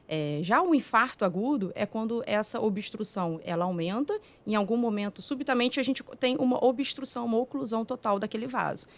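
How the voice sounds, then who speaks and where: A woman cardiologist with a Brazilian Portuguese accent, calmly and methodically explaining heart disease in a podcast studio. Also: on the high side, fairly quick, few pauses. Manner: calm, methodical explaining with frequent "né". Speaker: cardiologist guest. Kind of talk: explanatory medical talk.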